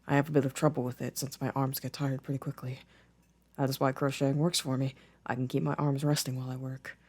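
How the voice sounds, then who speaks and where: A man playing a gentle, introspective boyfriend in an intimate ASMR roleplay, soft-spoken with careful, formal wording. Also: mid-range voice, level tone, fast, husky. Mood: modest, chatty. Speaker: audio roleplay voice actor.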